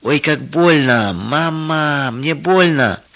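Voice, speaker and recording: A man voicing an earnest, quick-tempered little girl in a raised, lively voice, in a Christian children's story read aloud. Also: medium pitch, lo-fi sound. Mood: pained.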